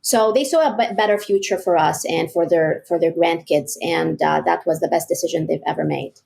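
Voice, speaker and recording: A woman in her forties from Egypt, raised in Kuwait, speaking as an interview guest in a measured, thoughtful way. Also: on the low side, vocal fry, darkish tone. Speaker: guest, real estate broker. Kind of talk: interview conversation.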